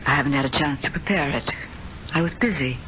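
A cold, menacing wife, calm and flat in a middle register. The old radio sound is dull, with a faint hiss behind it, and she sits a little back from the mic. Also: low-pitched, fast. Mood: coolly menacing. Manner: calm and flat, coolly threatening. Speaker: actress in a radio drama. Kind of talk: 1970s radio drama acting.

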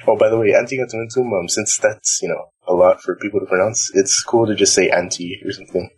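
A man's voice: on the low side, fairly even intonation, quick pace, slightly rough, low-quality recording. A young man from the Los Angeles area, chatting casually and ramblingly as an interview guest. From Los Angeles area, California. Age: young adult. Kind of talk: casual chat. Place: library, nearly empty.

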